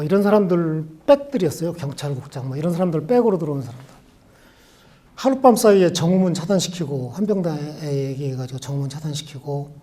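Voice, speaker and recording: A man's voice: fairly high pitch, dark tone, slight background noise. A man in his sixties from Jeolla, South Korea, a law professor giving a farewell lecture full of reflective personal anecdotes in a university lecture room. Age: 60s.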